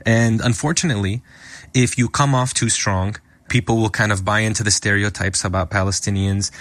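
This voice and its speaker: A man, an emergency physician, answering interview questions in an earnest, steady way. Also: lowish voice, brisk, no echo.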